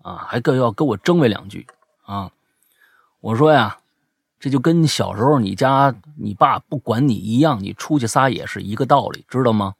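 A man hosting a casual chat show, telling stories in an animated, emphatic way. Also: medium pitch, moderate pace, vocal fry, husky, dry recording, studio quality.

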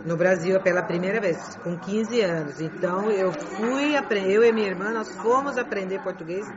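A middle-aged woman who grew up in Beijing, China, and speaks Chinese as her first language answers questions as a guest in a conversational interview. Her mid-range voice is halting, repeating phrases and restarting words, and the recording is muffled with crowd murmur behind her.

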